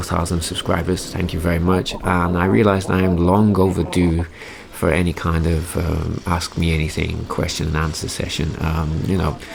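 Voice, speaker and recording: Someone with an American accent talks at a moderate pace against noticeable background noise. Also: man. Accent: English accent, people say it sounds American. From English Midlands (Derby). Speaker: RC hobby YouTuber. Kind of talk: casual vlog narration. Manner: hesitant, many fillers.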